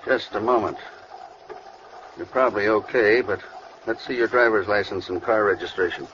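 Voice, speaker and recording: Guy playing old-time 1930s beat cop, lowish voice, polite but suspicious, dull hissy radio show sound. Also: normal speed, fairly bright tone, natural voice. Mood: suspicious, official. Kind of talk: vintage radio crime drama acting. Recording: muffled, noisy old radio recording.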